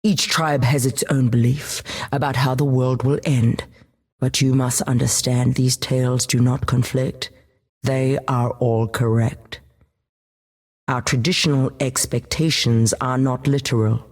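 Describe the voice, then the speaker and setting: A woman's voice: very deep voice, level tone, a little slow, darkish tone. A woman playing a devout keeper of tribal traditions, speaking earnestly and solemnly in a fantasy game monologue. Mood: proud, instructive.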